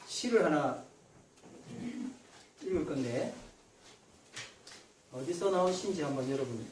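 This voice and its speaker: Roomy-sounding Korean pastor preaching. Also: male voice, a little high, animated, a little slow, a little mellow, far from the mic, a little hiss or hum. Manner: conversational preaching, asks the congregation questions directly. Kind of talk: Sunday sermon. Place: church sanctuary.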